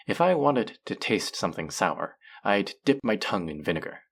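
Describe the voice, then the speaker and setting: A man's voice: on the low side, very animated, normal speed, vocal fry, fairly bright tone, breathy edge, full character voice. A man playing a teasing, sardonic, flirtatious male faerie in a scripted audio roleplay. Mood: haughty, disdainful. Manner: sardonic, teasing, drawling with sighs.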